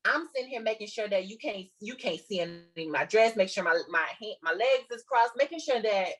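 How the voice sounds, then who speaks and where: A woman's voice: mid-range voice, lively intonation, brisk. A woman from Texas with a Southern Black American accent, telling a story casually and emphatically, repeating herself for effect. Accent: Southern African American English.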